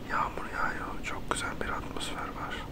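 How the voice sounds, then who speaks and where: Over loud background noise, a man talks at a moderate pace. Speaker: ASMR gaming content creator. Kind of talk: casual chatty gameplay commentary to camera. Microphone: studio mic.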